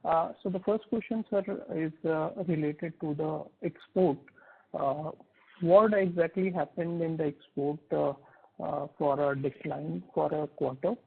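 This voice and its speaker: A man's voice: fairly high pitch, fairly even intonation, unhurried, vocal fry, slightly rough. A man with an Indian accent asking questions as an analyst on an earnings call, phrasing things hesitantly and piece by piece. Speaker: analyst caller. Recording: thin, narrow phone line.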